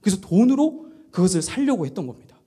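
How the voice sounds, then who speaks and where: A man's voice: high voice, big pitch swings, quick pace, slightly rough. A middle-aged male pastor preaching at a Friday prayer meeting in a chatty way, acting out quoted lines and asking the congregation questions. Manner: acts out quoted lines with shifts in loudness; chatty, laughs at himself.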